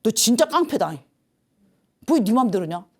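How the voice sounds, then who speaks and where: A woman with a Jeolla Korean accent voicing a gruff, stern older male landlord in a story. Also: fairly high pitch, very animated, a little slow, exaggerated voice.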